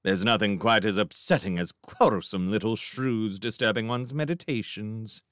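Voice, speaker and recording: A man's voice: on the low side, moderate pace, a bit bright, no echo, studio quality, close to an everyday voice. A man voicing a languid genteel barn cat. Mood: idle. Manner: languid, genteel and slightly prim. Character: idle, refined male barn cat, gentle and fussy.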